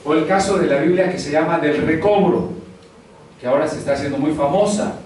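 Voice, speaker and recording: Male pastor, sermon, high-ish voice, far from the mic in a very echoey hall. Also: brisk, a little mellow, slight background noise. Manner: conversational preaching with rhetorical questions. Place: church hall.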